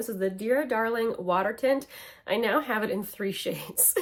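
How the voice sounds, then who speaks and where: A woman speaks at a moderate pace in a plain, everyday voice. Her pitch sits fairly high. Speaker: beauty YouTuber. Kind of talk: product review monologue.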